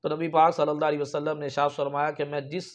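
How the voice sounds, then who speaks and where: High-voiced male preacher, emphatic storytelling. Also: flat delivery, fast talker. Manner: emphatic, with sudden raised peaks. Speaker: religious preacher. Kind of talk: storytelling sermon.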